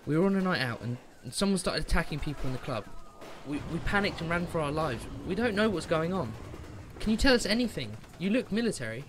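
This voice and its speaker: A man's voice: fairly high pitch, very animated, fast talker, slight background noise. A man playing an earnest, concerned young club-goer caught in an outbreak, in an audio drama. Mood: nervous.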